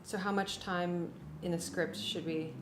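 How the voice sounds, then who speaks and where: Casting: female arranger, casual working chat, lowish voice, roomy sound with faint noise. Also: steady tone, unhurried. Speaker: music arranger. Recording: echoey room, faint background noise.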